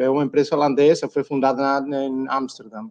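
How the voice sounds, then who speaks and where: A man with a Bolivian accent talks at a very fast pace. His pitch is fairly high. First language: Spanish (speaking Portuguese). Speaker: logistics executive. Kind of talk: corporate presentation.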